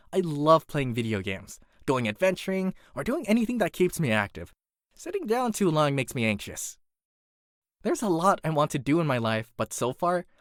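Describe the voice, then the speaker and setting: An earnest young workaholic blacksmith from an animated series , as a performer acts the part, with a very lively, swooping delivery. The voice is conversational and dutiful with an adventurous streak, recorded dry and close. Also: medium pitch, no echo, natural voice. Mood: earnest, wistful. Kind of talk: animated character voice reel monologue.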